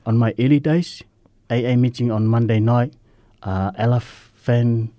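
A Samoan man, whose first language is Samoan, speaking earnest, halting English as a guest in a radio interview. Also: mid-range voice, fairly even intonation, dark tone, dry recording. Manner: earnest, halting, simple non-native English. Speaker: guest sharing recovery story.

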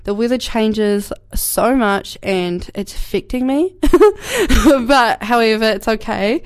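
A young New Zealand woman with a cold hosts her community radio show from the studio, talking solo in a casual, rambling way with lots of fillers, restarts, and frequent laughter. Her voice is on the high side and animated, though her pace is slow, and she has a New Zealand English accent.

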